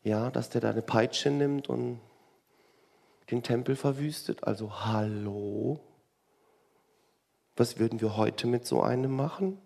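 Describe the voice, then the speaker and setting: A man's voice: medium pitch, slow pace, vocal fry, pauses often, a little mellow. A man preaching a sermon in a conversational way, full of rhetorical questions and wry asides.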